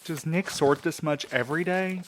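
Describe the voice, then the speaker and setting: An actor playing a sceptical, grumbling postal worker in an audio drama, blunt and questioning. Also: male voice, a little high, moderate pace, a little hiss or hum, lightly acted.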